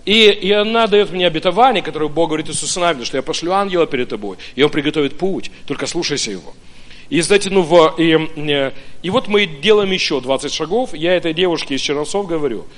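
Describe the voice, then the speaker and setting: A pastor from Ukraine preaching a sermon, telling his own story in an animated way with many hesitant fillers. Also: fairly high pitch, fast talker. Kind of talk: sermon with personal testimony.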